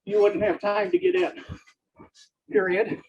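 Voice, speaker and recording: A husky, gravelly speaker dictates a story slowly, phrase by phrase, naming the punctuation aloud. The pitch swings widely between words and marks. The recording is slightly dull and lo-fi. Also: very animated. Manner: halting, delivered in short separated phrases.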